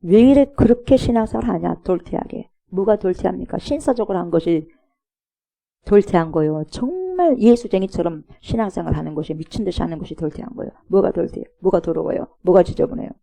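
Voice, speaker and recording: Middle-aged woman preacher, gravelly and dark-toned, emphatic sermon delivery. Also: lowish voice, animated, fast. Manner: emphatic preaching with rhetorical questions, mocking imitations of scoffers. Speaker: pastor.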